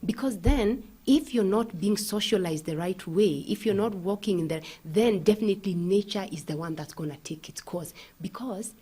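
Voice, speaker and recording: A woman's voice: medium pitch, normal speed, few pauses, mellow, breathy edge. A woman co-hosting a talk show, making her points with emphatic rhetorical questions and sometimes dropping to a whisper. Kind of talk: casual talk-show discussion.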